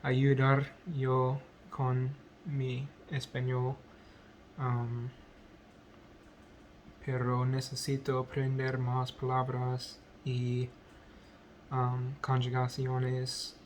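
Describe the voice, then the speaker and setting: A man whose first language is English, speaking in a halting vlog as a learner, full of pauses, ums and self-corrections. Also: medium pitch, monotone, a little hiss or hum. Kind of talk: halting unscripted speech practice.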